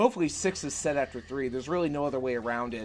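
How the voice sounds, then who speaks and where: With music in the background, a man talks at a very fast pace in a fairly high pitch with ordinary pitch variation. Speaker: video game reviewer. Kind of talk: video game review narration.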